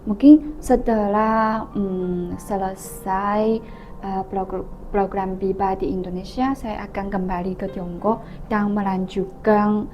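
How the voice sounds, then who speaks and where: A young woman from China with a Chinese accent, a native Mandarin speaker, answering interview questions as a student in halting foreigner's Indonesian. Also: mid-range voice, fairly even intonation, mellow, highs cut off, soft background music. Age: young adult. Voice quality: difficulty rolling the R. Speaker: student guest.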